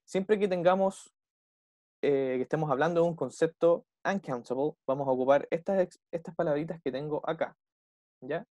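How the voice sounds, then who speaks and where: A man's voice: a little high, moderate pace, darkish tone, no echo, muffled recording. A young man with a Chilean accent teaching an online English class, explaining step by step and checking in with the students after almost every phrase. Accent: Chilean Spanish.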